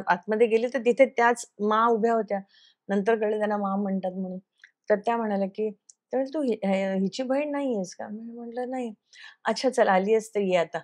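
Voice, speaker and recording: A woman, a television actress, tells a personal story in an interview. She acts out the dialogue she quotes and drops English phrases into her speech. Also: a little high. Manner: earnest, recounts events by acting out quoted dialogue.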